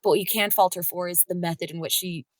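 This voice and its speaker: A woman's voice: fairly low pitch, fairly even intonation, quick pace, no echo, studio quality. A woman talking casually and expressively on a podcast, with emphatic phrasing. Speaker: voice actor discussing an audio drama.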